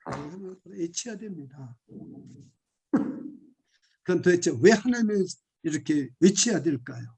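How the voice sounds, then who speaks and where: High-voiced male pastor preaching. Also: expressive, moderate pace, husky. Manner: urges the congregation to shout along, rising to loud exclamations. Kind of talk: sermon.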